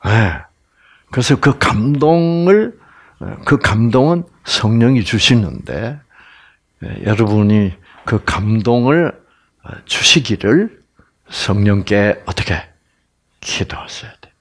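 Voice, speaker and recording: A man's voice: medium pitch, expressive, slow. A man giving a live Bible lecture as a health lecturer, telling the story dramatically and prompting the audience with repeated questions. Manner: emphatic, dramatic storytelling delivery.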